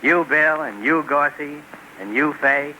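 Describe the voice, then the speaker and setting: A man hosting a 1940s radio comedy show, firing off deadpan wisecracks and sly put-downs. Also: fairly high pitch, a little slow. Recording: very noisy old radio broadcast.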